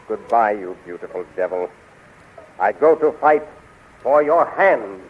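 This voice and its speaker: A man's voice: on the low side, lively intonation, measured pace, breathy edge. A man playing a bold, flirtatious masked swordsman with florid theatrical speech in a 1930s radio serial. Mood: gallant, daring. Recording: tinny 1930s radio recording.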